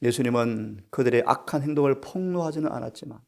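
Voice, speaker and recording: A middle-aged pastor preaching a sermon, often putting rhetorical questions to his congregation and swinging between soft, quiet phrases and loud, emphatic bursts. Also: mid-range voice, animated, quick pace, vocal fry.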